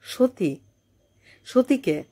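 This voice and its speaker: Woman reading as hesitant, mellow male houseguest. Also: mid-range voice, expressive, drawn-out words, pitched above the performer's own voice. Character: hesitant, puzzled male writer staying as guest.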